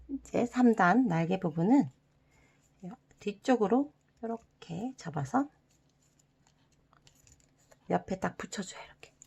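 A young woman hosting an origami tutorial for children, giving soft, half-whispered step-by-step instructions with playful sound words. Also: mid-range voice, vocal fry, husky, lo-fi sound. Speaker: origami channel host.

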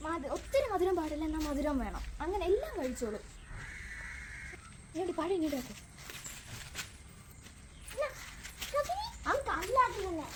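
A woman's voice: very high voice, background noise. A woman talking to her pet bird in a garden, coaxing it in baby talk and chatting about its habits for a casual vlog. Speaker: pet vlogger.

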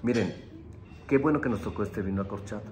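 A man's voice: lowish voice, fast, very noisy. Man explaining wine tasting to viewers. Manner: instructive, addresses viewers directly. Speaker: wine segment co-host.

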